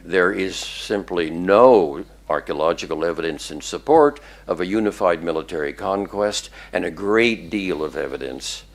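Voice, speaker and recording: A male scholar speaking in measured, emphatic academic commentary. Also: sits low, expressive, creaky.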